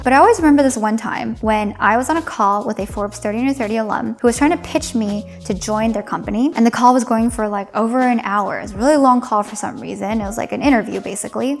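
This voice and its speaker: A chatty young woman vlogging from her home, candid and quick to laugh. Her voice sits a bit high, and faint music plays underneath. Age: 20s. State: losing her voice. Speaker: content creator. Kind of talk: casual vlog talk.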